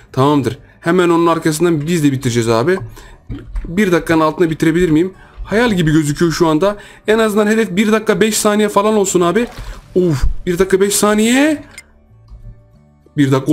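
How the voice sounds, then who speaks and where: Young guy hyped up playing a game, kinda high voice, repeats stuff fast, little music under it. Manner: lively, playful, repeats words rapidly, exclaims often. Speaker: gaming YouTuber. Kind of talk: excited gameplay commentary. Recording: faint music behind.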